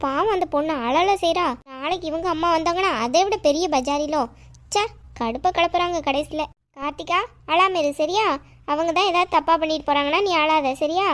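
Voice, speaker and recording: A woman's voice: very high voice, fairly quick, a bit bright. A woman voicing a stern cartoon teacher. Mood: soothing. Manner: firm, disapproving. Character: schoolteacher, stern but tired of quarrels. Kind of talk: cartoon voice acting.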